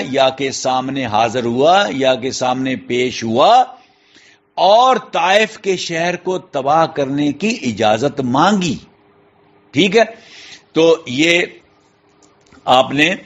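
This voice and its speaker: A man's voice: on the high side, fairly bright tone. A man with a Pakistani Urdu accent teaching an English lesson, spelling words out letter by letter and repeating key points. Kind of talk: classroom lesson explanation. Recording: dull, muffled lo-fi sound.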